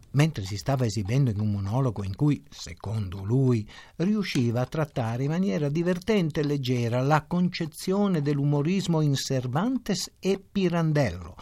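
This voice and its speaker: A man narrating a short story in a measured, ironic storytelling manner. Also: medium pitch, darkish tone. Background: faint music.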